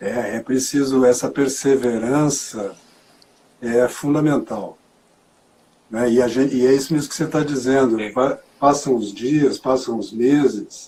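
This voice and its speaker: A man speaks in a medium pitch with fairly even intonation. He goes at a fairly slow pace with long, frequent pauses. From southern Brazil, Rio Grande do Sul. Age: 60s. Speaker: guest speaker on inner life and art. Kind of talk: casual conversation.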